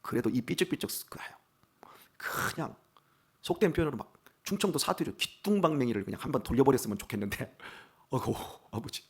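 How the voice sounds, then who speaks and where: Gravelly middle-aged pastor telling stories. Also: male voice, mid-range voice, very animated, brisk. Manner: folksy storytelling, rising to fervent emphasis. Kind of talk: early-morning sermon with personal stories.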